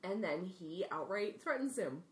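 A woman's voice: lowish voice, animated, measured pace. A woman co-hosting a podcast, talking through a book in casual chat. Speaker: podcast co-host. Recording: roomy, echoey sound.

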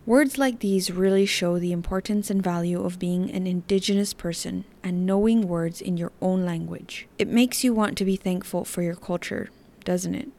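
A woman's voice: mid-range voice, darkish tone. A woman hosting a podcast, reading scripted commentary in an earnest, reflective way. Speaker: podcast host.

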